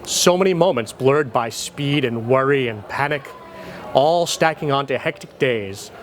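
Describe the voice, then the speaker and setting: A man giving an earnest, measured reading of a scripted motivational text. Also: medium pitch, lively intonation, a little hiss or hum.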